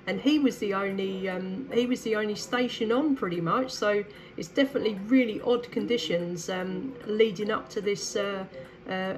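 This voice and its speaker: A woman's voice: medium pitch, poor audio. A woman with an English accent chats casually and a little hesitantly as a friendly CB radio operator. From England.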